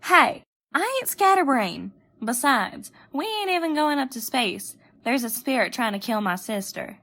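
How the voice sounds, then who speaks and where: A woman's voice: sits high, sing-song, a little slow, bright, forceful tone, full character voice. A woman playing a stubborn, anxious and gullible young twin sister in an audio drama, talking in folksy slang. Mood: worried. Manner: folksy slangy speech with ain't and gotta.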